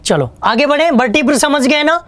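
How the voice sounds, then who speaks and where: A man's voice: extremely high pitch, lively intonation, brisk, fairly bright tone. A man teaching an online exam-prep English lesson, chatty and joking, asking questions and answering them himself. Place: online class studio with a whiteboard.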